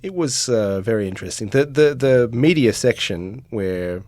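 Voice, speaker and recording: A man's voice: medium pitch, animated, normal speed, a little mellow, dry recording, studio quality. A middle-aged man from Australia, a sports reporter talking casually on a podcast, with many fillers and restarts.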